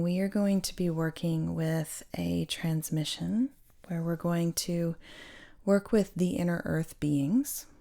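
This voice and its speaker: A woman speaking as a meditation guide, giving gentle, hushed spiritual instruction with pauses. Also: on the low side. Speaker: meditation guide and sound healer.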